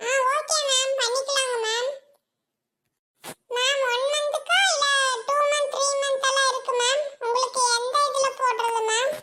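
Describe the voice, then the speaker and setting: The voice is a cartoonish character voice with an extremely high pitch. It moves at a fairly slow pace. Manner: polite, mixes English numbers, repeats "madam".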